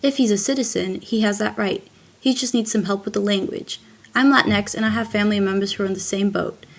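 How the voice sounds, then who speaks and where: A woman's voice: mid-range voice, fairly even intonation, brisk, close to an everyday voice. A woman playing an eager, naive young volunteer in an amateur theater skit, speaking earnestly. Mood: earnest, objecting.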